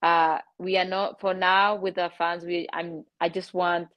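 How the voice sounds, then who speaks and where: A woman with a Ugandan English accent, originally from Congo, speaks in a low, flat voice. She answers earnestly, with hesitant ums along the way. Her sound is dry and muffled, as if it comes over a remote line. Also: a little slow, no room sound. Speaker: guest author. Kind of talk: interview answers.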